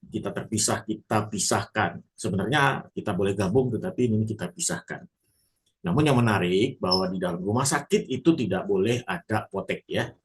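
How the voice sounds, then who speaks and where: A man's voice: on the low side, fairly quick. Man giving a formal spoken lecture. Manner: explanatory, frequent filler "ya", hesitant restarts; addresses audience formally. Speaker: legal lecturer.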